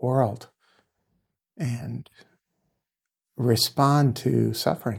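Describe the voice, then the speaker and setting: A man speaks in an American accent with a calm tone. His voice is medium in pitch, somewhat breathy, and shows ordinary pitch variation. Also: very clean recording, silent background. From Brooklyn, New York. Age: 60s. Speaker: executive coach and author. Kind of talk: casual interview chat.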